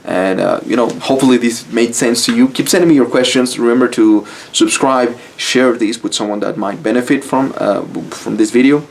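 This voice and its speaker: A mid-range, creaky male voice moves at a moderate pace with few pauses. The speaker, a YouTube-style coach from Mexico with a Mexican Spanish accent, speaks English as a second language. He addresses the camera with blunt, casual motivation and plenty of swearing.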